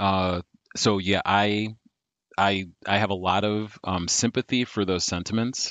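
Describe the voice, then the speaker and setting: A man speaks in a monotone with flat intonation at a fairly low pitch. His pace is fairly slow and his loudness stays very even. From US Midwest, Detroit. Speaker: psychology professor. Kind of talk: casual interview.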